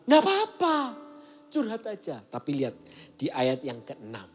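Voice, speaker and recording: A male pastor giving a casual, conversational sermon and acting out the voices he quotes. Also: sits high. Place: church service broadcast.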